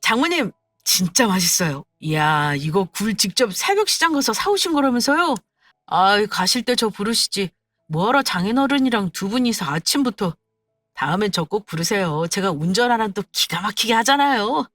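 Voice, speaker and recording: A woman's voice: medium pitch, expressive, normal speed, a bit bright, no room sound, studio quality. A woman doing a polite, eager young husband.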